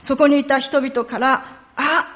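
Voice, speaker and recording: A woman pastor delivers a sermon in a fairly high voice. She tells the story with expressive emphasis and lowers her voice to a hush at solemn moments. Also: measured pace. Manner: storytelling, acts out quoted lines and dialects; drops to a hushed tone for solemn passages.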